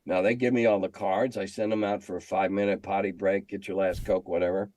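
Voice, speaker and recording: A man's voice: low-pitched, level tone, a little fast, darkish tone, dry recording. An older man telling stories casually in an interview as a veteran game master, talkative and salty with dry humor.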